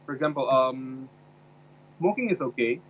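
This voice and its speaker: A man's voice: mid-range voice, animated, normal speed, slight background noise. A young man from Indonesia, a university student, talking hesitantly and searching for words in a casual discussion. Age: young adult. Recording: dull lo-fi sound.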